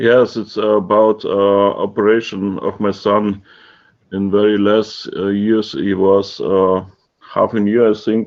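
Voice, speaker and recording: The speaker talks very slowly with a German accent. The intonation is monotone and flat. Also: man, fairly low pitch for a man. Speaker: caller, parent. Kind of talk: question from audience caller. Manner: halting, hesitant.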